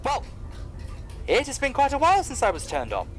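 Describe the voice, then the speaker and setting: A man's voice: extremely high pitch, huge pitch swings, brisk, slight background noise, exaggerated voice. An actor playing a polite, loyal clockwork man who explains things formally in an audio drama. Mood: polite, curious. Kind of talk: scripted audio drama acting.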